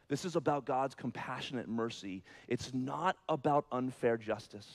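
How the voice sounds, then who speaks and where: A man preaches a sermon as pastor, earnest and conversational, at a moderate pace. He moves between soft, low explanation and loud, high-pitched emphasis.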